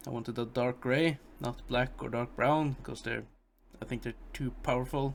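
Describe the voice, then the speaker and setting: The delivery is slow-ish and flat, with monotone intonation and a fairly slow pace. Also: man. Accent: Norwegian. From northern Norway. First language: Norwegian. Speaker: podcast co-host. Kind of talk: casual chat. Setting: studio.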